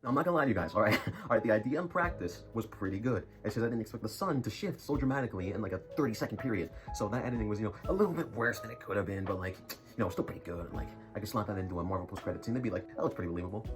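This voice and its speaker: A man's voice: lowish voice, lively intonation, rapid-fire. A young man telling a rambling school story in a casual vlog, full of jokey, self-mocking asides. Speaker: YouTuber. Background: music.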